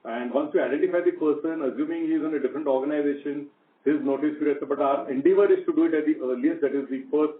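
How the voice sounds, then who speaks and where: A man's voice: fairly high pitch, quick pace. A man speaking as a company executive, giving unscripted answers on a business call. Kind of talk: spontaneous corporate question and answer. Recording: distant, echoey phone-quality conference line.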